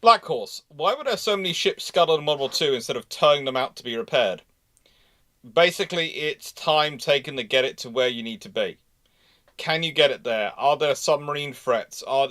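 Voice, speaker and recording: A man with a medium-pitched voice hosts a live history discussion. He explains things in a discursive, informal way, halting mid-thought before carrying on. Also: a bit bright. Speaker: host of a live naval history show. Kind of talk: live question-and-answer talk with informal commentary.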